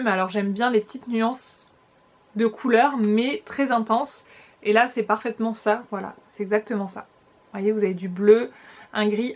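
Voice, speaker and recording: A young woman vlogger chatting casually through a makeup haul, talking straight to her viewers with frequent small restarts. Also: a little high. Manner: chatty, hesitant restarts, addresses viewers directly. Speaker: beauty vlogger.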